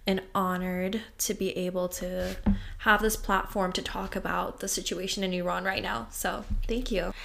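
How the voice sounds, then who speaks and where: A woman's voice: medium pitch, fairly even intonation, normal speed, gravelly, fairly bright tone. A young woman appearing as a podcast guest, speaking in a heartfelt, sincere way. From United States.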